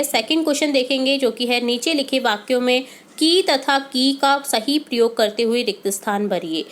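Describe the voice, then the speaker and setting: A woman with a high voice walks through a workbook as a teacher. She reads each answer slowly and explains every step. She speaks close to the mic in a voice-over. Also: fairly bright tone.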